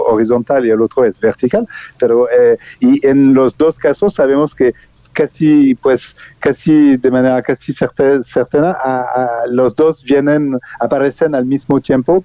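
A man answers in halting, speech, pausing often and restarting his words. The recording is dry and dull, with little room and a lo-fi tone. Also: medium pitch, no room sound. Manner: hesitant, many restarts and fillers. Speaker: guest researcher. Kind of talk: unscripted interview answers.

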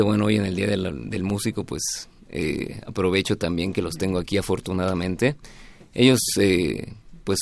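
A man's voice: low voice, creaky. A man speaking as an interviewed band leader, in casual, reflective talk, often searching for his words.

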